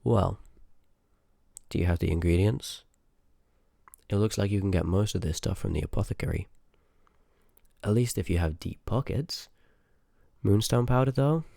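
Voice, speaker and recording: A very low-voiced, gravelly sorcerer, acted by a man, talks straight to the listener in a fantasy audio roleplay. He is rude and curious, full of sarcastic banter and muttered asides. The sound is close and very dry, with no room around it. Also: normal speed, long pauses, warm tone, dry recording. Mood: suspicious, sardonic. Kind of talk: ASMR audio roleplay acting, addressed to the listener.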